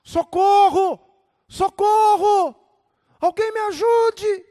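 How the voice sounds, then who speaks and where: A man playing a panicked young man dangling from a branch and shouting frantically for help. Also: very high-pitched, very slow, pitched above the performer's own voice, full character voice. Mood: frantic, pleading.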